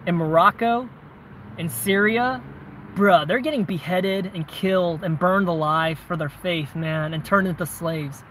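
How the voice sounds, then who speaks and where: This high, slightly bright male voice has a little hiss or hum behind it. He's a Southern-accented vlogger casually answering viewer questions, ending points with "right?" and "man" and throwing in "bro" as he chats.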